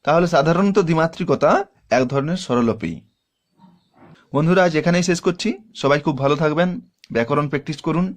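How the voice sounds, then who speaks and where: A man's voice: a little high, fast talker, pauses often. A man with a Bengali accent teaching a grammar lesson, patiently repeating definitions and sounding out syllables one by one. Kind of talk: explanatory lesson.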